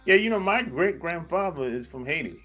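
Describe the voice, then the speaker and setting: Relaxed male podcast host. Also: on the high side, fairly quick, soft background music. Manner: relaxed, backchannels with frequent "yeah". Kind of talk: casual interview conversation.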